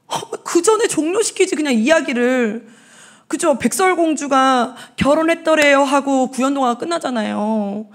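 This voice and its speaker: A woman evangelist in her forties giving a lively, humorous seminar talk to Sunday school teachers in a church, acting out voices as she goes. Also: high-pitched.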